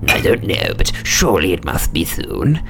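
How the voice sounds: Against clear music in the background, a man uses a put-on character voice at a low pitch that is raspy with vocal fry, swinging very widely in pitch at a moderate pace.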